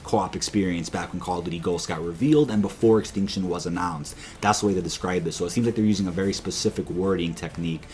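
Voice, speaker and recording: A man's voice: low voice, fast, few pauses, a little mellow. A man giving informal, opinionated video commentary to viewers as a gaming news host, explaining things with emphasis. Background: background music.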